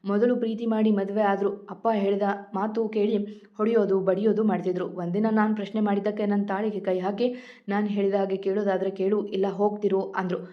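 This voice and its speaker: A woman's voice: mid-range voice, level tone, fairly quick, lo-fi sound, lightly acted. Woman voicing a tearful remorseful mother. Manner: tearful, pleading. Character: grief-stricken older mother, tearful and remorseful.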